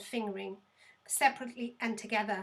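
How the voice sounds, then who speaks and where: This woman's voice is raised and projected, with a bright, sharp tone. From Portugal. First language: Portuguese. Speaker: baroque flute teacher. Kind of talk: masterclass answering questions. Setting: video call webinar.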